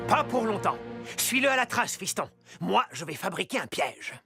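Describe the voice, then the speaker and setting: A man's voice: high-pitched, very animated, normal speed, vocal fry, heavily acted. A man voicing a boastful but timid middle-aged father in a French cartoon dub. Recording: loud music behind the voice.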